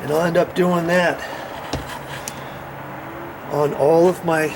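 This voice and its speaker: Male DIY host, folksy and rambling, slightly high voice, unhurried delivery, noisy work recording. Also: little pitch movement. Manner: folksy, rambling, asks and answers own questions. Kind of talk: casual hands-on tutorial talk. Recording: noisy, tool rasping and scraping sounds.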